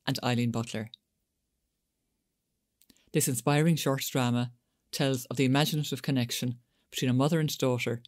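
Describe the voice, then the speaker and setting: A man with an Irish accent reading a scripted introduction as an announcer, in a measured, formal manner. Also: medium pitch, no echo, clean studio sound. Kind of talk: scripted narration.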